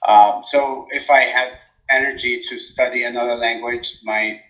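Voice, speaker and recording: A man whose first language is Arabic, from Jordan, speaking in a relaxed interview with many fillers and restarts. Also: medium pitch, moderate pace, lo-fi sound. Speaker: interview guest, dissertation coach.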